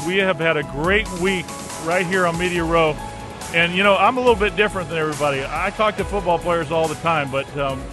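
Chatty sports radio host from LA, slightly high voice. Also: male voice. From Los Angeles, USA. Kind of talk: sports talk interview.

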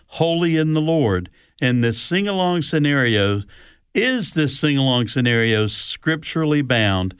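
A man's voice: mid-range voice, clean tone, dry recording. Male radio host, friendly, reads listener questions, dry close mic. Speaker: radio talk show host.

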